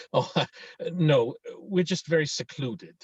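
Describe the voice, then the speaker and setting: A friendly, sensitive young man, played by a man at a table read in a film drama. His voice sits a little high and he hesitates as he searches for words. The sound is dry and slightly dull, like a video call. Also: slow, breathy edge, no room sound. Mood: friendly, chatty. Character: friendly, mock-menacing young Swedish man, earnest and sensitive.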